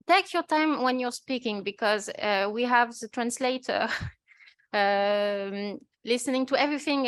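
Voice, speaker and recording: A woman's voice: a little high, fairly bright tone, no echo, studio quality. A woman moderating a conference panel, speaking casually and hesitantly. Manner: casual, hesitant, with many fillers.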